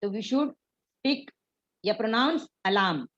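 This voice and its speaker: A woman's voice: a little high, lively intonation, takes it slowly, lo-fi sound. A woman teaching an online class on pronunciation, explaining patiently and mixing English words into her Hindi.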